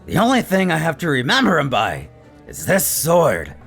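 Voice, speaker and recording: A man's voice: on the high side, wildly swooping pitch, normal speed, gravelly, a bit bright, husky, soft background music, exaggerated voice. A man voicing a breezy, friendly young swordsman with a casual, chummy way of talking.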